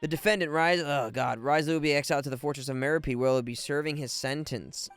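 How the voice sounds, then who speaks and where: Smooth-voiced man chatting on a game stream. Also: fairly high pitch, fast talker, dry recording. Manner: informal, chatty, stumbles when reading aloud. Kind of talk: casual live game stream commentary. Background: game music.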